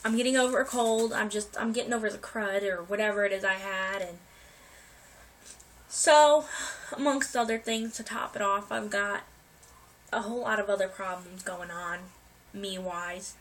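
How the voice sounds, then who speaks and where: Young woman vlogger, bright voice, recovering from a cold, chatty and meandering. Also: mid-range voice, fairly even intonation, normal speed, a little hiss or hum. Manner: rambling, many ums and restarts. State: getting over a cold, coughing. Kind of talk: casual life update to viewers.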